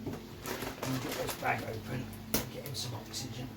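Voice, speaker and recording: A man's voice: mid-range voice, level tone, measured pace, very noisy. Chatty man outdoors. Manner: chatty, homely, filler-heavy. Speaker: koi keeper vlogger. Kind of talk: casual vlog narration. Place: outdoors in a back garden by a pond. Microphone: camera mic, moving between handheld and tripod.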